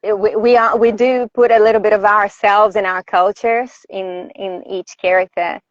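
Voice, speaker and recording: A woman's voice: medium pitch, steady tone, normal speed, no room sound, dull audio. A woman from Brazil, a voice actor, answering interview questions in a thoughtful, easy-going way. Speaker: voice actor guest. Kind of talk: live online interview.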